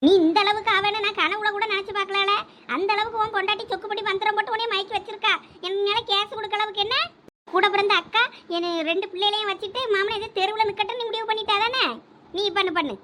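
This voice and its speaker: A woman with a Thoothukudi Tamil accent voicing a sharp-tongued middle-aged elder sister in a cartoon family drama, scolding quickly and defiantly. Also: very high-pitched, fairly even intonation, background noise.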